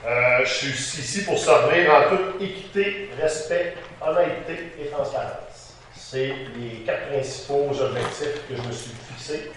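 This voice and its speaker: A man in his fifties with a Quebec French accent, a mayor giving a plain, hesitant self-introduction with filler pauses. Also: medium pitch, fairly bright tone, a little hiss or hum. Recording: echoey room, distant mic.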